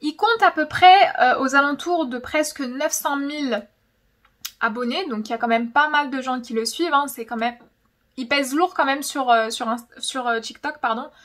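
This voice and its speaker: A woman's voice: high voice, normal speed, fairly bright tone. A young woman chatting casually in a storytelling vlog, dramatic and emphatic, often repeating words for effect. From francophone, of Algerian descent. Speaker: YouTube host.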